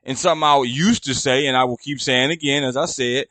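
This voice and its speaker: A man's voice: mid-range voice, fairly quick, pushed and bright, no room sound. Profane, mocking male podcast ranter. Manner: profane, mocking, exasperated rant. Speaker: podcast host. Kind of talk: casual ranting commentary.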